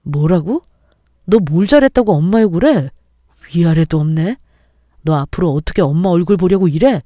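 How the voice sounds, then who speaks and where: An angry young husband who scolds and talks down in blunt, accusing bursts, as a woman narrator puts him on. The tone stays mellow and warm rather than sharp. The sound is dry and close, with no room around it. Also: on the low side, animated, moderate pace, no echo. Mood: scolding.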